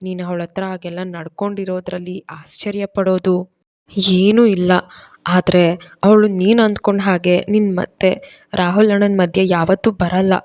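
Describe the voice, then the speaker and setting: Woman reading as a caring young sister, soft, consoling, quiet, storybook audio drama. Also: lowish voice, flat delivery, normal speed, no room sound, lightly acted.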